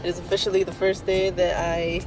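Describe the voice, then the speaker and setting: A man's voice: high voice, monotone, a little fast, music in the background, poor audio. A young trans man talking in a matter-of-fact, lightly amused way in a vlog diary. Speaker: vlogger.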